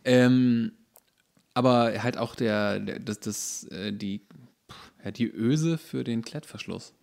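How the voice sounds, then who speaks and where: A man's voice: mid-range voice, slow, creaky, darkish tone. A man co-hosting a podcast, chatting casually with dry, wry humour. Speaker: podcast co-host. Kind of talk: casual comedic chat.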